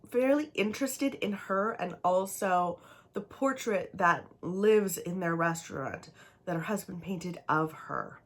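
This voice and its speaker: A slightly snuffly, somewhat tired-sounding woman from Canada in her thirties vlogs casually about her to-read books, rambling along in a mid-range voice.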